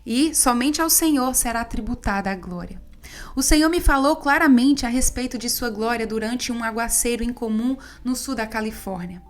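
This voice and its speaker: A woman with a somewhat high voice reads an audiobook aloud. Her delivery is steady and measured, in the even cadence of scripted narration.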